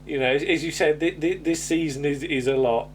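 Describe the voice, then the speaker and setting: A man's voice: a little high, fairly even intonation, a little fast, distant mic, a little hiss or hum. A British man co-hosting a podcast, casually recapping a TV comedy in a rambling, hesitant, amused way. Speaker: podcast co-host.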